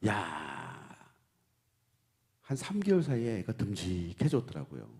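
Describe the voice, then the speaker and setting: A man, a church deacon, telling a personal testimony in church, dropping to hushed low passages and then rising in sudden emotional outbursts. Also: huge pitch swings, measured pace, creaky. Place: church sanctuary with long reverb. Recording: long church hall reverb.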